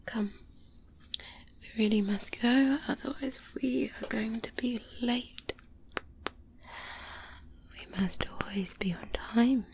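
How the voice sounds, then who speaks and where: A woman playing a seasoned, guarded vampire hunter mentor in an ASMR roleplay, speaking in a breathy whisper with measured, deliberate pauses, close to a binaural mic. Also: fairly high pitch, darkish tone, a little hiss or hum. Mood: cautioning, reassuring. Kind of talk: soft-spoken ASMR roleplay monologue. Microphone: close-up binaural microphone.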